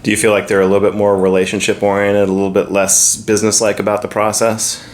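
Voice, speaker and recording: A man interviewing a college athlete, asking long, relaxed questions. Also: fairly low pitch, fast, slight background noise. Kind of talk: sports interview.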